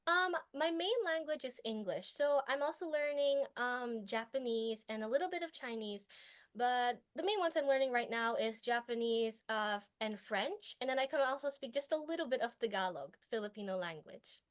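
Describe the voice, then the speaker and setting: A teenage girl presenting a student invention to a judging panel, delivering a prepared pitch and then answering questions with hesitant fillers. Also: expressive, moderate pace. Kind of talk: competition pitch and Q&A.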